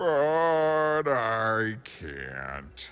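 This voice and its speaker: A man performs a put-on character voice at a medium pitch. His pitch swings very widely. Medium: video game. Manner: good-natured, stammering, chuckling.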